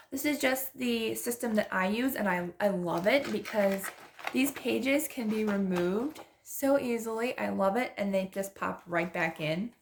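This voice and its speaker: Her voice fairly high and gravelly, a young planner vlogger gushes casually while decorating her planner. Allergies have stuffed up her nose, and she restarts frequently as she chats.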